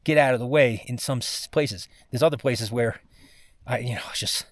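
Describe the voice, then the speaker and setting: A man giving a casual first-person vlog monologue, sounding exhausted, with a weary, halting, rambling way of talking. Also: medium pitch, no echo, clean studio sound. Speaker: mountain climber recording a personal expedition vlog.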